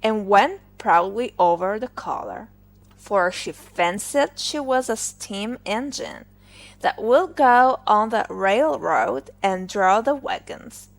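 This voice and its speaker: A woman narrating a fairy tale for English learners, deliberately and phrase by phrase. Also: medium pitch, very animated, creaky. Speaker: storyteller.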